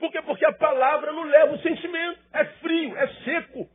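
A man's voice: extremely high pitch, steady tone, brisk, phone-quality sound. A male pastor preaching a sermon with emphatic rhetorical questions and repetition.

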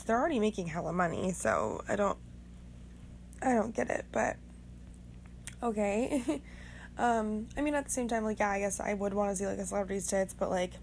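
A young woman with a raspy voice, just woken up, rambling frankly and swearing casually as the host of her own podcast. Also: medium pitch, darkish tone, slight background noise. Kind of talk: casual monologue.

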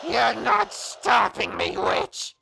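An actor playing a sadistic, vengeful monster in a horror audio drama, with gravelly, mocking menace. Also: mid-range voice, big pitch swings, noisy background, full character voice. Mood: vengeful, taunting. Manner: menacing, drawn-out, mocking taunts.

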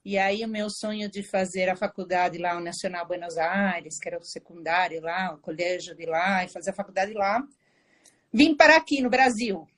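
A woman from Argentina, a psychiatrist guest on a video call, telling her story in a warm, animated way. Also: fairly low pitch, moderate pace. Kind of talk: casual interview storytelling.

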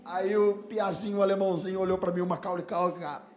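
A male pastor telling a story in a sermon, animated and lively, sometimes breaking into shouts and laughter. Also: high-pitched, fast talker, slight background noise.

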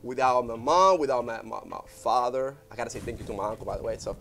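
A man in his thirties, a Spanish speaker, speaks as a studio guest in an easygoing, rambling way, circling back and restarting often. His voice sits at an ordinary middle pitch. Faint music plays behind him. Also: quick pace, a bit bright. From Puerto Rico. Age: 30s. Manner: rambling, heartfelt, many fillers and restarts. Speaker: guest, business owner. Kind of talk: casual interview talk.

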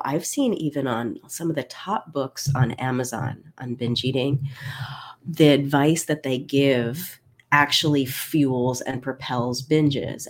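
A woman speaking live to her listeners as a coach. Her voice sits low, and she sounds congested. She talks in a chatty, candid way, restarting sentences and laughing lightly. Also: a little mellow. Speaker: binge eating coach. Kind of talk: live-stream talk to listeners.

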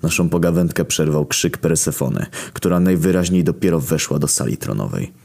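A man narrating a first-person story in a deadpan, wry, crude manner. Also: a bass voice, brisk, vocal fry. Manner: deadpan, heavy swearing, wry asides.

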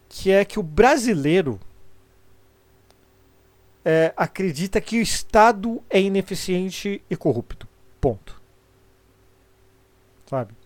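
A man's voice: fairly high pitch, a little mellow, clear, resonant tone, dry recording. A middle-aged Brazilian man with a congested, sniffly voice from a cold, chatting casually and opinionatedly on a live stream in informal, sweary Brazilian Portuguese speech.

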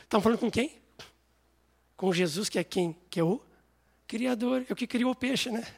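A man preaching a sermon, telling stories with animated voices. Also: sits high, normal speed, creaky, breathy edge. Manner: animated storytelling, acts out voices.

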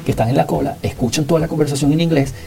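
Venezuelan guy on his podcast, talks fast and slangy, gravelly low-key dark tone. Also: soft background music. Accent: Venezuelan Spanish. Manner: slangy, animated, acts out dialogue. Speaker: podcast host. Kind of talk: casual storytelling.

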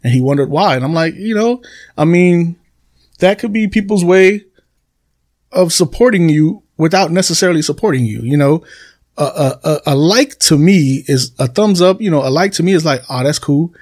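Male podcast host, slightly high voice, conversational, leans on repetition to make points. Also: lively intonation, moderate pace, darkish tone. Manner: conversational, repeats phrases for emphasis. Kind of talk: casual solo podcast talk, addressing listeners. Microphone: computer desk recording.

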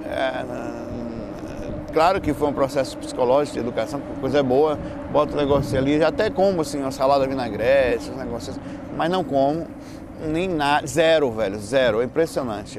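A man with a Bahian Brazilian Portuguese accent answers audience questions on spirituality and lifestyle, rambling in a playful, colloquial way packed with slang, repeated false starts, and self-interruptions. His voice is mid-range against a noisy background.

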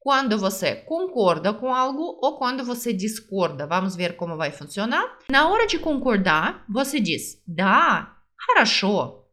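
Woman podcast teacher, bright and slightly high, patient drills, repeats every phrase. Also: sing-song. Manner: slow, careful modelling of phrases, repeating each. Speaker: language teacher. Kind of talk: podcast language lesson.

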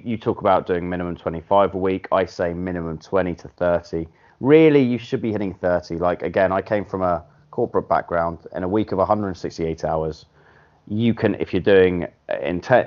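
A man hosting a podcast in casual chat, blunt and animated, swearing casually as he makes his points. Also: low voice, normal speed. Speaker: podcast host. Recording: dull lo-fi podcast audio.

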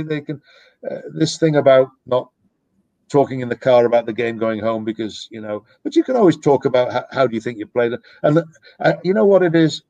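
A man's voice: medium pitch, warm tone, dry recording, lo-fi sound. Brief: middle-aged male coach, reflective, meandering, dry close mic. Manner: reflective, rambling with restarts. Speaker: youth soccer coach, guest. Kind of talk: casual podcast conversation. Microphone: podcast microphone.

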